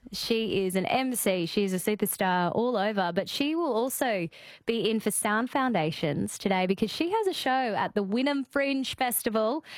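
A woman with an Australian accent presenting live radio from a studio in a bright, chatty manner. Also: on the high side, no echo. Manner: bright, chatty, laughs easily. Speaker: radio host. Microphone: studio microphone.

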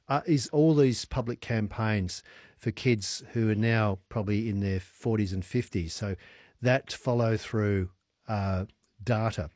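A man's voice: medium pitch, darkish tone, no room sound, clean studio sound. Australian man in his sixties hosting radio. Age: 60s. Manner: chatty, enthusiastic, wordplay. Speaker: radio host. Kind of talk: evening talkback radio.

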